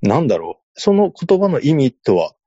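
Guy chatting on a podcast, halting, lots of laughs, dull dry sound. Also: a little high, wildly swooping pitch, warm tone, breathy edge, dry recording. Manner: hesitant, laughs often. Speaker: podcast guest. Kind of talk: casual chat.

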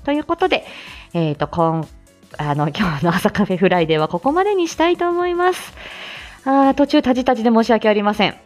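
A woman's voice: fairly high pitch, very animated, fast, darkish tone, faint music behind. A woman hosting a live stream, chatting casually with frequent laughter and many fillers. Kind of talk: casual chat.

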